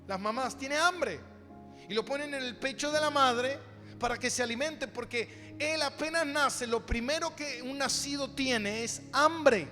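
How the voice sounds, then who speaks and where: This pastor's sermon comes in an extremely high voice, pushed and bright, delivered at a measured pace. He teaches from the Bible with emphasis, repeats phrases, and poses rhetorical questions to the congregation, all in an echoey hall with background music.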